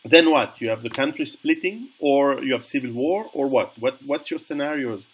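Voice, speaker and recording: A middle-aged man interviewing over a video call, asking halting questions with many restarts. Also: mid-range voice, slightly rough, poor audio.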